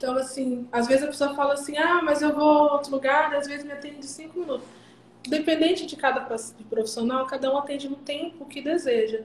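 A woman speaks in a high pitch at a fairly quick pace. Her intonation stays fairly even while her loudness swings widely. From Brazil, Mato Grosso do Sul (Três Lagoas). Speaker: aesthetic biomedical practitioner. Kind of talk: casual interview. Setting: live video stream from her clinic.

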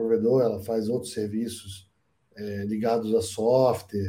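The man's voice has a dark, mellow tone. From Rio de Janeiro, Brazil. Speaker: network instructor and telecom entrepreneur. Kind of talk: casual interview chat.

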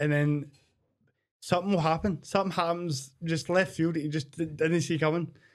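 A man's fairly high pitch, monotone and flat, at a fairly quick pace. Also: very clean recording, silent background. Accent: Scottish. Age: 20s. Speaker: podcaster guest. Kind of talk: casual chat.

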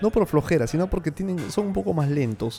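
Noticeable background noise is present. A man speaks at a fairly quick pace with lively intonation. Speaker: podcast host. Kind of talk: casual monologue. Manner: hesitant, many fillers and repetitions.

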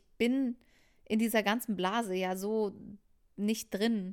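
A woman's plain, everyday voice at medium pitch, with fairly even intonation and a fairly slow pace. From Germany, rural village. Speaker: singer-songwriter. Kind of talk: casual interview chat.

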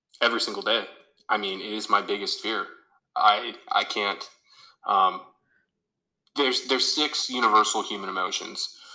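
A man talks at a moderate tempo, breaking often with long pauses. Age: 20s. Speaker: aspiring physician. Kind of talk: casual chat. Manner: halting, repeats words.

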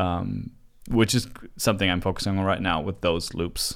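On a very clean recording with a silent background, a man speaks in a normal speaking voice, his fairly low pitch held in fairly even intonation. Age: 30s. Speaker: podcast host and music producer. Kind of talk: casual chat.

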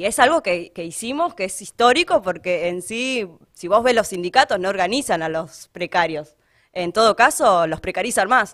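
Against a very clean, silent background, a woman speaks at a moderate pace and medium pitch with lively intonation. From Argentina, Greater Buenos Aires (La Matanza). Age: 20s. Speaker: teacher and local election candidate. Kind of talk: interview. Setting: studio.

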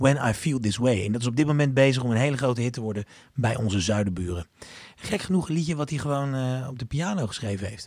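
A fairly quick-paced man with very wide pitch swings. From Netherlands, Leidschendam. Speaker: podcast host, guitarist. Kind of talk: casual interview. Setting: live remote stream.

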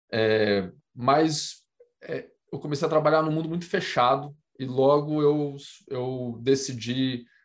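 Over a silent background in a very clean recording, a man speaks at a medium pitch. His pitch variation is ordinary. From Brazil, Mato Grosso do Sul (Campo Grande). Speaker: election disinformation expert, technologist. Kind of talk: interview conversation. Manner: hesitant, many fillers.

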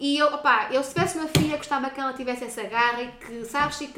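Against noticeable background noise, a woman's high-pitched voice is raised and projected, with ordinary pitch variation. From northern Portugal, Porto. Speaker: podcast co-host, mother. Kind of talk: casual chat.

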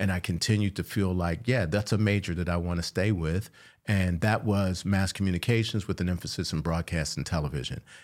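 With an American accent, a man with a very deep, low pitch talks at a fairly quick pace and fairly even intonation on a very clean recording with a silent background. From US, Pittsburgh. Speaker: film editor and director. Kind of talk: interview conversation.

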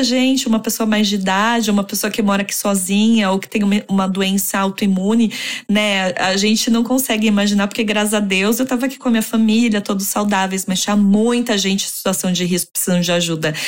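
In a São Paulo accent, a woman talks at a fairly quick pace with a fairly high pitch and ordinary pitch variation. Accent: Brazilian Portuguese, São Paulo (paulistano). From Brazil, São Paulo city. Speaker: industrial designer living abroad. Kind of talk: interview, casual chat.

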